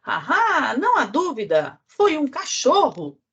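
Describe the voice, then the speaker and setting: A woman voicing a pair of smug, knowing flies, buzzing in a high, drawn-out voice while reading a storybook aloud. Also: huge pitch swings, a bit bright, lo-fi sound, heavily acted.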